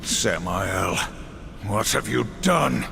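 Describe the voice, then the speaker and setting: Grim, heavily gravelly horseman warrior. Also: lowish voice, animated, extremely slow, slight background noise, exaggerated voice. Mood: stern accusation. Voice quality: gravelly growl. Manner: stern, terse, threatening. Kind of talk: solemn video game hero acting. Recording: loud music under the voice.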